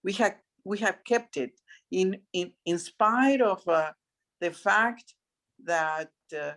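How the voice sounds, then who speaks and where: An older woman talking in an animated, chatty way on a video call. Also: medium pitch, slow. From Italy, Arbëresh community. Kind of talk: casual video call discussion.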